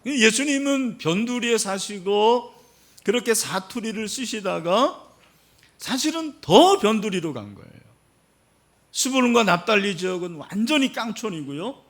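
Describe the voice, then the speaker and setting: A man's voice: sits high, lively intonation, unhurried, a bit bright. A middle-aged man preaching a sermon as pastor, explaining the passage and putting questions to the congregation. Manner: explanatory, asks the congregation questions, frequent fillers. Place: church sanctuary.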